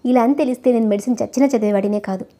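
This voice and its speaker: A woman's voice: on the high side, racing, warm tone, close to an everyday voice. A woman reading the lines of an angry young male doctor who defies his mother, with bitter, scornful retorts.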